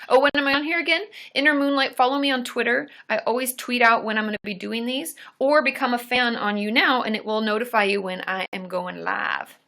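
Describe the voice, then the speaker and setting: A woman's voice: a little high, fairly quick, vocal fry, few pauses, pushed and bright. A woman therapist hosting a live Q&A stream, chatting casually, laughing often and poking fun at herself.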